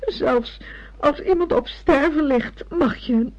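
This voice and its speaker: An actress playing a fretful, indignant member of a bickering household in a radio drama. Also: female voice, high voice, expressive, slow. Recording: dull lo-fi radio play recording.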